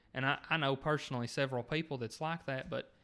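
A man with a Southern US accent and a bright, sharp tone speaks at a moderate pace in a very clean recording with a silent background. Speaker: podcast host. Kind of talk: religious discussion.

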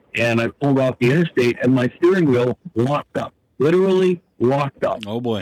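In a plain, everyday voice with an American accent, the speaker moves at a fairly quick pace with ordinary pitch variation and a dry, close sound with no echo. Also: man. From US Northeast. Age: 60s. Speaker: truck driver. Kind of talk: casual chat.

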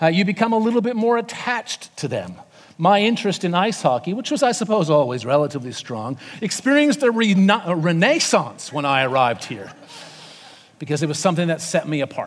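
Over noticeable background noise, a man with a Canadian accent talks at a fairly quick pace in a high pitch for a man, his pitch swinging very widely. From Canada. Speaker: preacher. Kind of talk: sermon. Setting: church.

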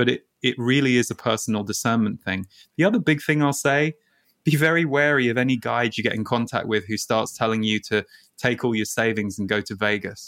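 An English-accented man at medium pitch and a fairly quick pace, with ordinary pitch variation, dry and close with no echo, on a very clean recording with a silent background. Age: 40s. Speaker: spiritual channeler and author. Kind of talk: casual interview.

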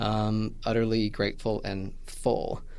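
Audible room echo surrounds a voice with fairly even intonation moving at a fairly slow pace. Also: man. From US Midwest, southern Indiana. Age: 30s. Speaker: TV host and producer. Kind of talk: casual chat.

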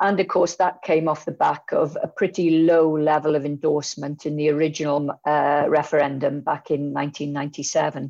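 The speaker has a Welsh accent and a dark, mellow tone, delivered at a moderate pace with hardly any pauses. Intonation stays monotone and flat, loudness is very even, and the background is quiet. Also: woman, very deep, low pitch for a woman. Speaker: professor. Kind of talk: panel discussion. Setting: video call.

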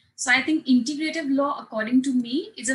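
The woman's pitch is high, with ordinary variation. She speaks at a fairly quick pace. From India, Delhi. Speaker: lawyer and mediator. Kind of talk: interview conversation. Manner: halting, many fillers.

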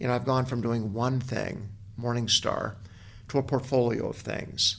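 In a normal speaking voice, a man talks at medium pitch and a moderate pace with fairly even intonation, on a very clean recording with a silent background. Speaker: business executive and sports team owner. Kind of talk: interview.

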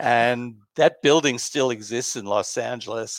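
A man with an American accent speaks in a normal speaking voice with ordinary pitch variation. The recording is very clean, with a silent background. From New York City. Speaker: author. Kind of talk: interview.

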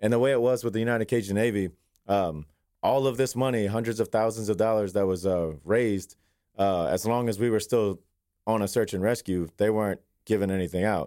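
Fairly quick speech with a dark, mellow tone, very even loudness and fairly even intonation comes through a very clean recording with a silent background. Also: man, fairly low pitch for a man. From Louisiana, New Iberia. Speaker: oil worker and search volunteer. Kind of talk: casual interview.

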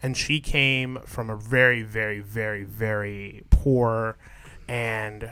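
The tone of this man's voice is bright and sharp. He talks in an American accent. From Washington DC. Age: 30s. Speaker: costume designer and stylist. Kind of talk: casual interview chat.

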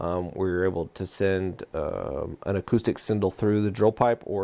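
A man with an American accent, fairly low pitch, fairly even intonation and a normal speaking voice, in a dry, close sound with no echo. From Texas. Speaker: oilfield drilling engineer. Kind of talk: interview.

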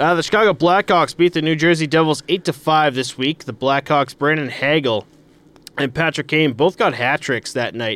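A man's fairly high-pitched, normal speaking voice with ordinary pitch variation at a moderate pace, dry and close with no echo. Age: 30s. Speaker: sports podcast host. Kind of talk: casual chat.

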